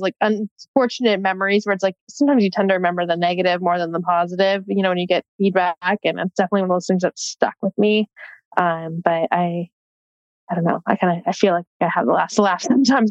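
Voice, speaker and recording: A woman sports reporter talking as a guest in a casual interview, chatty and quick to laugh, with lots of "like" fillers. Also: medium pitch, steady tone, no room sound, lo-fi sound.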